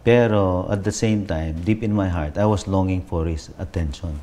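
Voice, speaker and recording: A man's voice: deep voice, moderate pace, dark tone. A man, a pastor telling his personal testimony in a reflective way, switching between Tagalog and English. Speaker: pastor, interview guest.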